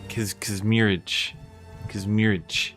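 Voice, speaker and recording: A man's voice: on the low side, fairly even intonation, takes it slowly, a bit bright, soft background music. A man streaming a game, chatting casually and rambling to his viewers. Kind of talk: casual chat while gaming.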